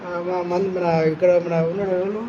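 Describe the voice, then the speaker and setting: A man, an activist giving halting opinions in an interview. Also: high voice, flat delivery, dull audio, background noise. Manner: halting, restarts often.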